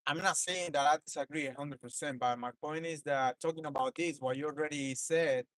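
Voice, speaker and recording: Cuban-born man, probing calm questioner, slightly high, dry. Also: fairly quick, dry recording. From Cuba. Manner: probing, placating. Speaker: passerby questioner.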